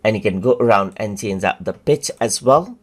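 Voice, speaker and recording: A man walking viewers step by step through a software tutorial, casual and repetitive, with fillers. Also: on the low side, lively intonation, normal speed. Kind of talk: screen-recorded tutorial narration.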